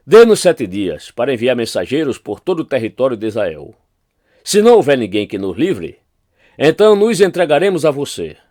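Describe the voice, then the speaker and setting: A Brazilian pastor reads scripture aloud with a lively, swinging pitch, his voice rising for every quoted line. The sound is dry and close, with no room around it. His pitch sits in the middle range for a man. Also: no echo. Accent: Brazilian Portuguese. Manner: expressive reading, lifts voice for quoted speech. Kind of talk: Bible reading.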